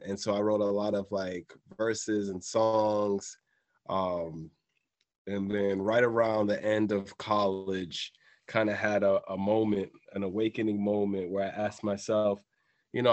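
A young man from Boston, a writer who is a guest on a radio interview, answering in a soft-spoken, thoughtful way with many "um"s. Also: lowish voice. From Boston, USA.

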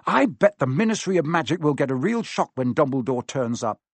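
A man's voice: fairly high pitch, big pitch swings, fairly quick, no room sound. A man voicing an anxious, determined schoolboy wizard who speaks urgently and frantically in a storybook reading.

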